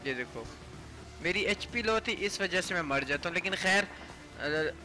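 A man's voice: high-pitched, expressive, measured pace. A man giving casual gameplay commentary in a voice-over. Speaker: gaming video creator. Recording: music bed under voice. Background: background music.

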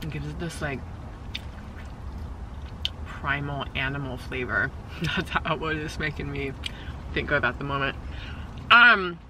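Recorded on a dashboard camera inside a parked car, a thirtysomething woman chats effusively about her food and coos at her cat for a casual tasting vlog. She speaks low and measured, with long pauses and background noise around her.

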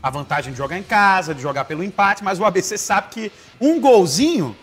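Upbeat high-voiced Brazilian TV sports host. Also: male voice, lively intonation, a little fast, slightly rough. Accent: Brazilian Portuguese. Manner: upbeat, reads viewer messages aloud. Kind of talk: live TV sports talk. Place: TV studio.

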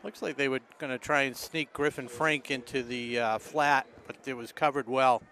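A man adds color commentary to a local football broadcast, talking through players and plays in an easy, conversational way. His voice is bright and forward. Faint outdoor stadium noise runs underneath. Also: medium pitch, fairly even intonation, moderate pace. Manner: analytical, conversational, fills in names and details.

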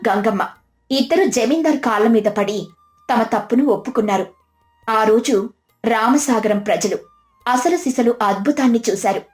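A woman reading a scripted moral story as the narrator. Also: a little high. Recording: background music under the voice.

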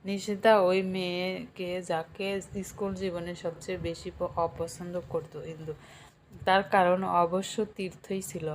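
A woman narrates a romantic story in a slightly low voice, doing all the characters herself and breaking into shrill cries when they quarrel. Steady background noise runs under the recording.

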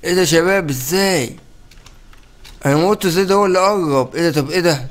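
Fast-talking Egyptian gamer man. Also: a little high. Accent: Egyptian Arabic. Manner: playful, teasing, laughs often. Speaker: gaming channel host. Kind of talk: excited gameplay commentary.

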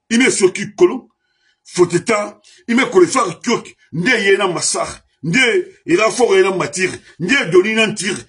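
Husky-voiced man in a heated political rant. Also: high voice. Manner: heated, rising to shouts, lists grievances with repeated refrains. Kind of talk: impassioned political monologue.

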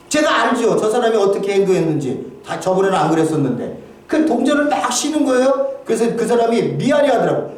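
A man preaching as a pastor, telling a personal story in a halting, emotional way with many restarts. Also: high-pitched. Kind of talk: sermon testimony. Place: church sanctuary. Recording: very echoey hall, voice from far off.

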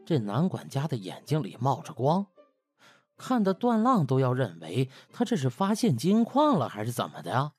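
A man narrating a comic novel in an expressive, colloquial storytelling style. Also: mid-range voice, moderate pace, breathy edge, soft background music. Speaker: audiobook narrator.

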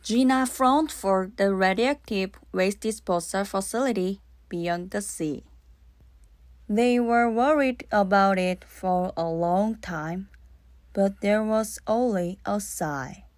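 A woman's voice: medium pitch, takes it slowly, darkish tone, dry recording. A woman reading scripted narration for a children's audiobook. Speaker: storybook narrator.

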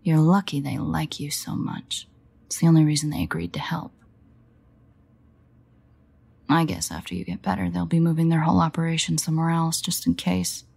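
A woman playing a sardonic, guarded but fond vampire in an intimate audio roleplay, wry and hesitant in manner, with a husky, gravelly voice. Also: low voice, fairly quick, darkish tone, exaggerated voice. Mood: wry, grudging.

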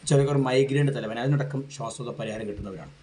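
A middle-aged man gives an earnest, rambling product testimonial. He talks at a rapid clip in a mid-range voice. A faint background hum sits under his words. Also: mid-range voice, warm tone. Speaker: mimicry artist giving a product testimonial.

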